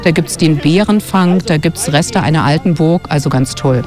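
A woman's voice: low-pitched, moderate pace, a little mellow, faint music behind. A woman from West Berlin, a radio journalist and travel guide author, explaining fluently and thoughtfully in a radio interview on a forest walk. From West Berlin, Germany. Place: outdoors on a winter forest walk.

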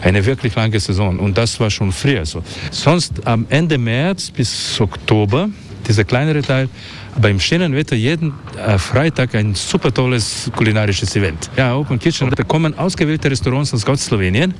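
A man with a Slovenian accent, a native Slovene speaker, giving a spontaneous guided tour in simple, halting non-native phrases. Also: medium pitch, lively intonation, slight background noise. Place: outdoor city market.

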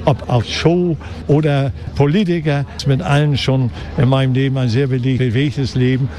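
Chatty old fish seller. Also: male voice, mid-range voice, steady tone, moderate pace, dark tone. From Hamburg, Germany. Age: 80s. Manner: chatty showman, tag questions like "ne". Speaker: fish market vendor. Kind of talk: casual interview. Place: outdoor fish market.

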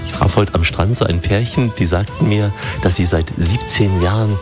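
A man's voice: low-pitched, normal speed, over loud music. A man working as a radio travel reporter, interviewing at a holiday resort with curious, chatty questions.

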